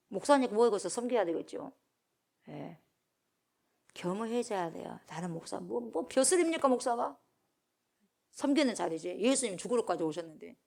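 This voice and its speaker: A woman's voice: lowish voice, vocal fry, a little mellow. A middle-aged woman pastor giving an early-morning prayer sermon, emphatic, repeating key words and putting questions to the congregation.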